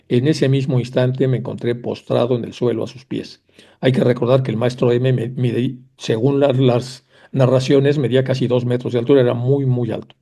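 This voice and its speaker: A man with a very dark, mellow voice gives a lecture, reading old passages aloud and then stepping aside to explain them in plain, conversational asides. He speaks straight to his listeners, with the odd filler as he thinks. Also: medium pitch, vocal fry. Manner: addresses listeners directly, with fillers. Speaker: lecturer on theosophy.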